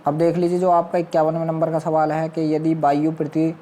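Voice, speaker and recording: A man's voice: fairly high pitch, completely flat delivery, brisk, warm tone, a little hiss or hum. A man teaching as an exam coach, going through practice questions and answers in a repetitive, instructional way. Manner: instructional, repeats questions and answers with habitual filler phrases.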